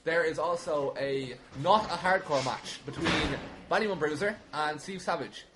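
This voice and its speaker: A man's voice: a little high, normal speed. A man chatting casually as a podcast guest, jokey and rambling, swearing freely. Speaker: podcast guest, wrestling show booker. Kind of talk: casual chat. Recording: clearly noisy background.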